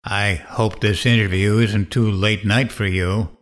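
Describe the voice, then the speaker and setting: An actor playing a cocky, vengeful late-night radio host, sardonic and goading, in dramatic narration and interview. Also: male voice, lowish voice, steady tone, a little slow, natural voice. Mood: mocking.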